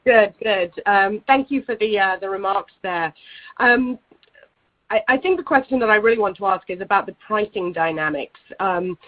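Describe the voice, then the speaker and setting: A woman's voice: medium pitch, normal speed. A woman asking a spontaneous business question as a financial analyst, polite and somewhat hesitant. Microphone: telephone conference line. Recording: slightly dull phone-line sound.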